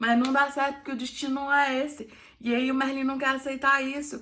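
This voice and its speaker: A woman's high-pitched, animated voice at a fairly quick pace. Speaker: book vlogger. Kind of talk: casual book review vlog. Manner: fast.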